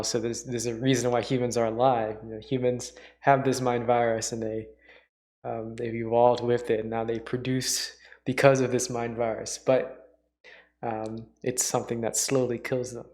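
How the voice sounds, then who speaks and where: A male host talks casually in a medium-pitched voice, as if thinking aloud. His commentary is unscripted and halting, musing as it goes. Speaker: host, livestreamer reacting to radio dramas.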